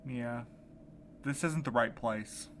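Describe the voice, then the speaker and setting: A man's voice: medium pitch, slow, natural voice. A man acting in an audio drama podcast as a desperate, determined husband searching for his missing partner, earnest and hesitant in delivery. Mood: uneasy, certain. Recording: clear background noise, ambient sound bed.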